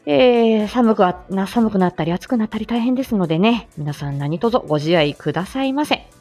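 A woman's voice: medium pitch, animated, fairly quick, darkish tone, soft background music. A woman hosting a live stream, chatting casually with frequent laughter and many fillers. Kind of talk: casual chat.

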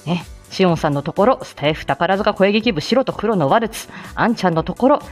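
A woman's voice: medium pitch, lively intonation, a little fast, faint music behind. A woman hosting a live stream in a casual, chatty way, often laughing between phrases. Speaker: livestream host.

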